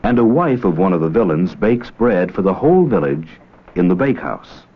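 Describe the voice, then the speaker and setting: On a muffled, slightly noisy old 16mm soundtrack, a man narrates a scripted educational documentary. His voice is low-pitched and a bit rough, very animated, and moves at a moderate pace.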